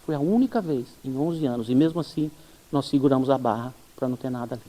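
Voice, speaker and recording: A Brazilian-accented man preaching a sermon as a pastor. He tells funny stories about himself and acts out the dialogue with lively energy. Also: medium pitch, fast, in a large hall. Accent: Brazilian Portuguese. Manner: animated, self-mocking storyteller who acts out dialogue. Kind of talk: sermon with humorous anecdotes. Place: church service.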